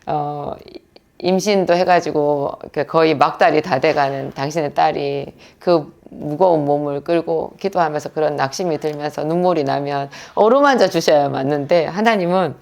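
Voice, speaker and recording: Low-voiced woman sharing an earnest testimony. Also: moderate pace, creaky, a little mellow. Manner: earnest storytelling, acting out quoted prayers. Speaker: pharmacist and prayer teacher. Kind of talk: sermon-style testimony.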